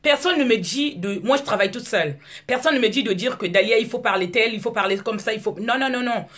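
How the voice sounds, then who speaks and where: Outspoken husky woman from Congo. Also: a little high, a bit bright. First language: Lari. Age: 30s. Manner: outspoken, repetitive, halting restarts. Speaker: video blogger. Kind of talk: casual monologue to camera.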